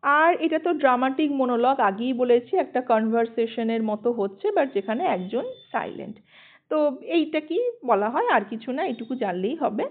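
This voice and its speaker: A woman's voice: on the high side, animated. A woman teaching an English poem online with a Bengali accent, explaining patiently and often checking in with her students. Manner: explanatory, checks in with "ঠিক আছে" and "okay", reads English slowly. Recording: tinny phone-like sound.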